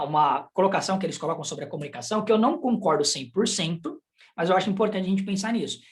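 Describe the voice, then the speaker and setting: Brazilian man teaching a chatty class. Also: high voice. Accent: Brazilian Portuguese. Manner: conversational, checks in with rhetorical questions. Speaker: sign language teacher. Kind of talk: live online class.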